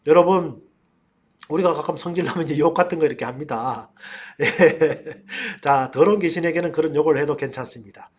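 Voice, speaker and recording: A man's voice: fairly high pitch, moderate pace, slightly rough. A middle-aged man, a pastor and professor, teaching a seminar in a storytelling way, speaking straight to his listeners. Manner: storytelling, addresses listeners directly, bursts into loud commands. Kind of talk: teaching seminar on casting out spirits.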